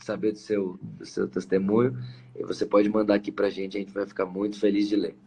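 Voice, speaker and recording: A man hosts a Christian live stream in a casual, heartfelt farewell, often repeating himself. His voice sits a little low and has a gravelly fry. The stream audio carries a clear layer of noise. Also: little pitch movement, fairly quick. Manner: effusive and emotional, warmly repeating himself.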